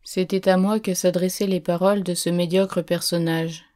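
A woman reading a literary audiobook in a steady, measured first-person narration. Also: fairly low pitch.

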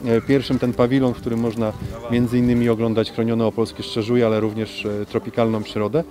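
A man speaking as a local official in a statement for local television, halting with frequent hesitation sounds, recorded outdoors at a zoo. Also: mid-range voice, level tone, music in the background.

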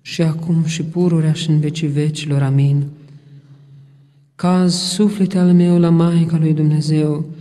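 A man reading Orthodox prayers in a slow, measured, solemn intoning manner. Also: fairly high pitch, flat delivery, dark tone. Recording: long hall reverb.

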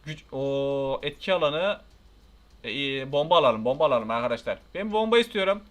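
A man giving casual let's play commentary, excitable and swearing casually as he yells at the game and reads on-screen text aloud. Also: mid-range voice, moderate pace. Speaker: gamer.

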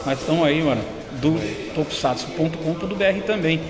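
A Brazilian man in his forties hosts a casual interview, asking loose, slangy questions with some hesitation. His slightly higher voice is picked up by a phone held at arm's length inside an exhibition pavilion. The recording sounds roomy with a long reverb, and music plays clearly behind him. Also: fairly quick. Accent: Brazilian Portuguese. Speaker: channel host. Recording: roomy echoing hall with music.

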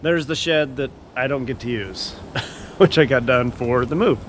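A man giving a casual home tour, rambling and correcting himself, often clearing his throat. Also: medium pitch, a little slow, background noise. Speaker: homeowner giving a house tour. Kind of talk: casual handheld tour narration.

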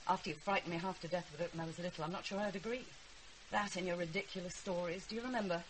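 A woman's voice: lowish voice, fairly even intonation, racing, lightly acted. An actress playing an anxious, resentful middle-aged mother with an English accent in a British radio drama, by turns sarcastic and pleading. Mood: bitter, accusing. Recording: hissy, noisy radio drama recording.

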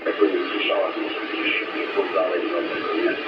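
A man chatting casually and chummily over CB radio in slangy, halting phrases. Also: low-pitched, level tone, far from the mic, loud music behind the voice. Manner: chummy, colloquial, halting repetitions. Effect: CB radio transmission. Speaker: CB radio operator. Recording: muffled CB radio, heavy static, echoey. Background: loud radio static.

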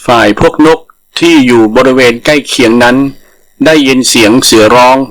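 A man's voice: medium pitch, moderate pace, a bit bright, low-quality recording. A man reading a scripted folktale as a storyteller.

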